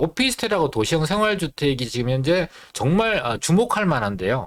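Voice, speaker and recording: A man talks with very wide swings in pitch. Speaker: real estate consultant. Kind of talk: panel discussion. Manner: fast; speeds up when talking at length.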